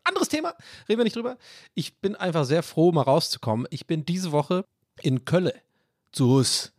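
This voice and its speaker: A man's voice: sits high, no echo. Rambling young-sounding man, dry close sound. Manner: rambling, self-mocking, jumps between tangents. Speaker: podcast host. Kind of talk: casual solo podcast monologue. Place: hotel room. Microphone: phone microphone.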